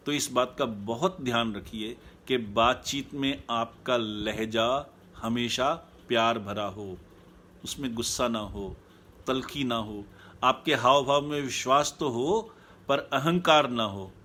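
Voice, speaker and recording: A man speaking as a happiness coach in a live online talk, calm and measured, repeating his key points. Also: mid-range voice, a little hiss or hum.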